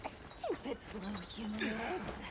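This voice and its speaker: A woman's voice: a little high, lively intonation, slow, heavy background noise. A woman voicing a practical, grumbling young companion character in a video game.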